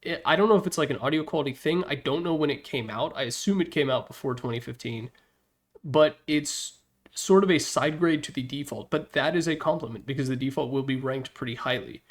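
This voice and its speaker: A tier list slideshow is presented by a man with a mid-range voice who talks fairly quickly. His take is casual and strongly opinionated, with some mild cursing and sardonic asides.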